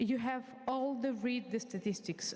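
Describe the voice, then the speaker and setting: A woman's fairly even intonation against noticeable background noise. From Ukraine. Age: 20s. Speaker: youth organization co-founder. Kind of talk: conference panel talk. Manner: halting.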